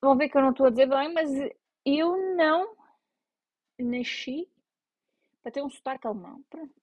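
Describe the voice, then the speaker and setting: A young woman with a European Portuguese accent talks to her viewers in a loose, self-mocking way. Her voice sits a little high, and the recording is close and dry, with no room sound. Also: moderate pace, no room sound, dull audio. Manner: chatty, self-mocking, animated. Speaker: vlogger. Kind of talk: casual chat to camera.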